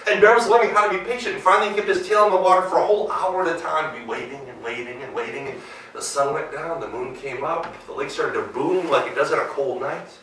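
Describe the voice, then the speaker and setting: A man's voice: on the high side, quick pace, pushed and bright. An American man telling a folktale live, playfully putting questions to his listeners. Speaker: storyteller. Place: live event room with audience. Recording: roomy live hall, distant mic.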